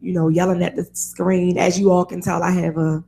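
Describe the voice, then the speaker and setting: A woman hosts an online sports talk radio show in a raspy, gravelly voice that sits low. She talks casually and with strong opinions, and laughs often. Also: little pitch movement, moderate pace, mellow, a little hiss or hum.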